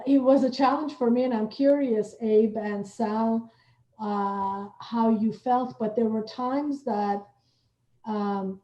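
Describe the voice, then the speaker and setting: A woman moderates a panel discussion at a slow, thoughtful pace. Her voice is on the mellow side, picked up from a distance in a roomy space with dulled sound. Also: fairly high pitch. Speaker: host and radio play director. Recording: roomy, distant, dull video-call audio.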